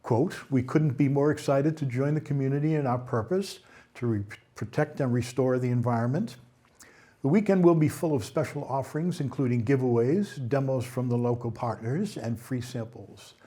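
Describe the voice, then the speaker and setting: Local news stories are read by a male anchor in a mid-range voice. He stays steady, apart from occasional slips that he goes back to correct.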